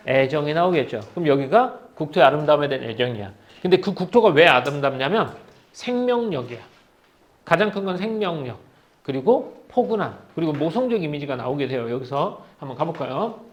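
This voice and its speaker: Guy with a fairly high voice going through a poem for a test, reads a line then explains it, keeps asking the class stuff. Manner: reads poem lines aloud, then paraphrases them in casual speech and quizzes students. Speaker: Korean literature teacher. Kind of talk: exam-prep poetry lecture.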